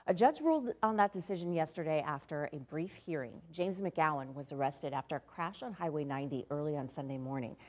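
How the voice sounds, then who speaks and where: A woman anchoring a live morning newscast, reading stories briskly and slipping into upbeat, chatty asides with her co-anchor. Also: low voice, expressive, darkish tone.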